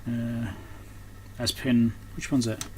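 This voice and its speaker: Man thinking aloud, clearly noisy recording. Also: medium pitch, flat delivery, slow pace, dark tone. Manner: unscripted, thinking aloud while working. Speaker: host of an electronics repair channel. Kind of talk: casual hands-on repair commentary.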